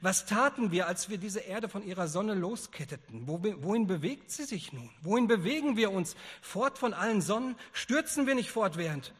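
A frantic madman, read aloud by a man pours out urgent rhetorical questions, pitched up and raised in volume. The voice is husky. A long reverb from a large hall trails every line. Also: expressive, normal speed, few pauses, fairly bright tone, heavily acted. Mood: fervent. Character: frantic madman proclaiming God's death, male.

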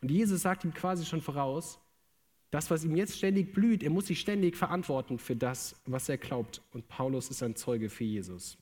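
A man's voice: a little high, expressive, normal speed, darkish tone. A young man, a theology student, preaching a casual, humorous sermon to an audience in a large room. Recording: long hall reverb.

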